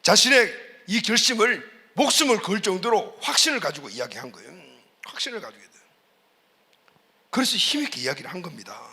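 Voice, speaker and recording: Male pastor preaching, animated and bright, repeats key words, quizzes the congregation. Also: high voice, fairly quick. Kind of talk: sermon. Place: church service.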